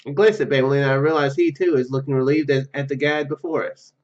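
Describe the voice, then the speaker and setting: A man's voice: medium pitch, steady tone, fast, muffled recording. A man reading a visual novel aloud and commenting casually, often stumbling over his words. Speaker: gaming YouTuber.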